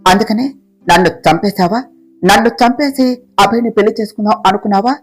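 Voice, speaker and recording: A woman's voice: mid-range voice, fairly quick, faint music behind, natural voice. A woman doing a taunting vengeful ghost girl. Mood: menacing, taunting. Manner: menacing, taunting.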